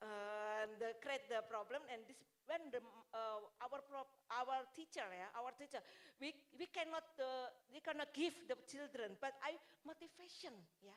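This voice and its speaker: With an Indonesian accent, a woman speaks at a fairly slow pace in a high pitch, with ordinary pitch variation, big swings in loudness, and long, frequent pauses. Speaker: early childhood teacher. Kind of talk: webinar question. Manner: halting.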